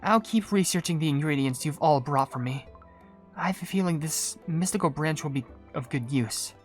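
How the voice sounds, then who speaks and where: Woman as a low-voiced, gentle cookie perfumer. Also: close to an everyday voice. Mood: thoughtful. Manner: soft-spoken, polite, measured. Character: gentle, composed adult female cookie perfumer. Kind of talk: video game voice acting. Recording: game music behind.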